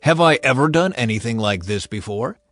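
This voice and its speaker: A man's voice: medium pitch, lively intonation, brisk, a bit bright, lightly acted. A man voicing a long-suffering, reproachful donkey with a plaintive manner in a dramatized scripture reading. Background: background music.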